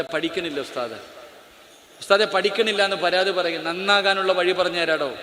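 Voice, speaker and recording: A man preaching an Islamic sermon in an auditorium. He speaks straight to the crowd and keeps calling out and questioning his listeners. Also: a little high. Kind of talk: sermon to a live hall audience. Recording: echoey auditorium with long reverb.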